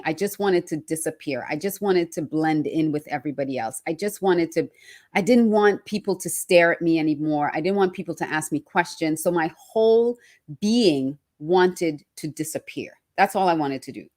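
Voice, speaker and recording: Lower-pitched woman telling her story emphatically. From born in Trinidad, raised in Australia from early childhood. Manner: emphatic, with repetition for effect. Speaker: personal branding speaker. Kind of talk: personal storytelling in a motivational talk.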